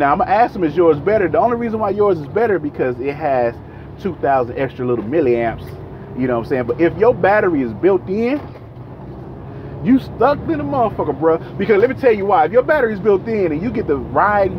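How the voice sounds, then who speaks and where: The speech runs at a very fast pace. The sound is dry with no echo, though noticeable background noise comes through. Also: man. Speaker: truck driver vlogger. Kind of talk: casual vlog chat. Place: car. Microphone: earbuds.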